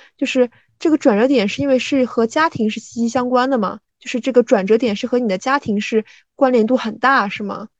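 The recording is dry and close, with no echo and a quiet background. A woman speaks at a high pitch. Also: ordinary pitch variation, fairly quick pace. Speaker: student interviewer. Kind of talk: interview.

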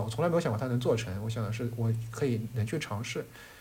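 Somewhat breathy, a man speaks at a medium pitch. His pace is very fast. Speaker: startup founder and product manager. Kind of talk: podcast interview. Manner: hesitant, many filler sounds.

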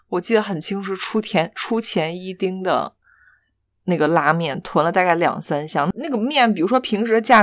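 A woman with a normal speaking voice talks at a moderate pace, medium pitch and ordinary pitch variation. The recording is very clean, with a silent background. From China, Xi'an. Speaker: podcast co-host. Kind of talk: casual chat.

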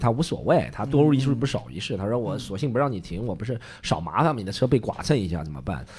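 A man speaks at a very fast pace with hardly any pauses, his fairly low voice carrying vocal fry and very wide pitch swings. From Shanghai (Yangpu). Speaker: stand-up comedian. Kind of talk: casual chat. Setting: stage with audience.

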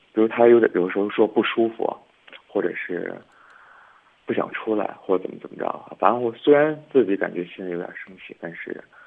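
A soft-spoken man talks at a fairly quick pace. His pitch sits at a medium level and varies in an ordinary way. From Hebei, Xingtai. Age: 20s. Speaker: caller, bank employee. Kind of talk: phone-in personal problem. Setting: phone call from home. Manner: hesitant.

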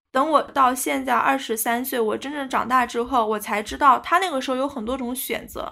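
A woman with a high pitch talks in a raised, projected voice with a bright, sharp tone, ordinary pitch variation and hardly any pauses, on a very clean recording with a silent background. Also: fairly quick pace. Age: 20s. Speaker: podcast host. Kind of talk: casual chat.

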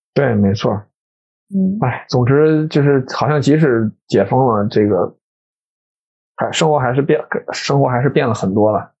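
A man with a medium pitch and a somewhat breathy voice speaks at a moderate pace with lively intonation and long, frequent pauses. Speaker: podcast host. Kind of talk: casual interview chat.

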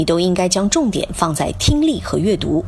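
Delivered at a fairly quick pace in a Chinese accent, the speech has very wide pitch swings over noticeable background noise. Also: woman. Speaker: podcast host. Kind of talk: scripted narration.

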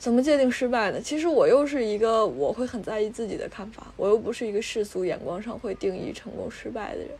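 A woman talks at a very fast pace with a fairly high pitch. Her loudness swings widely. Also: lively intonation. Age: 20s. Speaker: podcast host. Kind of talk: solo monologue, imagined dialogue with future self. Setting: indoors with a fan. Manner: halting, many fillers.

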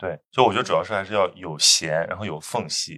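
The speaker is a man. His pace is fairly quick. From Qingdao, Shandong. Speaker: podcast host. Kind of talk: casual panel discussion.

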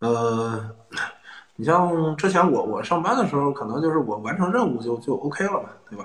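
With a northern Chinese accent, a man speaks at a moderate pace, his pitch swinging very widely and his loudness rising and falling a lot. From Hebei, northern China. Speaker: small business owner, second-hand restaurant equipment dealer. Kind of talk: podcast interview. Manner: halting, frequent word repetitions.

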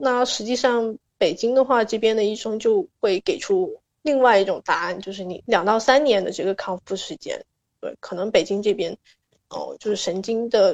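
A plain, everyday voice at a moderate pace with ordinary pitch variation, dry and close with no echo. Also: woman. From Guangdong, southern China. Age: 20s. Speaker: freelancer recovering from facial paralysis. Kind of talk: podcast interview, personal story.

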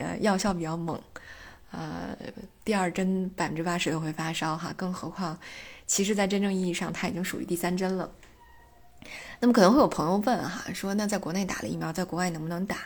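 A woman with a fairly low pitch and audible vocal fry talks at a fairly quick pace, broken by long, frequent pauses. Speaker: podcast host, mother. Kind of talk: casual monologue.

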